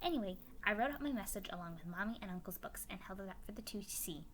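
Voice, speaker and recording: A woman's voice: mid-range voice, lively intonation, quick pace, noisy background. A woman narrating a fan story as a dramatic reading. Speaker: story reader.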